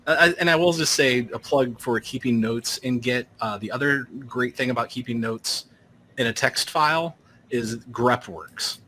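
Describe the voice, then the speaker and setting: A man interviewing a speaker in casual conversation, halting with frequent restarts. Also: mid-range voice, bright, forceful tone, slight background noise.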